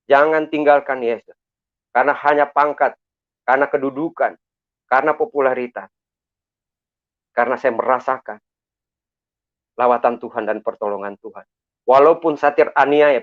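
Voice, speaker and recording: Middle-aged guy from makassar preaching his testimony, earnest, sounds like it's over a phone line. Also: mid-range voice. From Makassar, Indonesia. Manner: earnest, preacherly, repeatedly addresses listeners as brothers. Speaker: convert giving testimony. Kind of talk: church testimony.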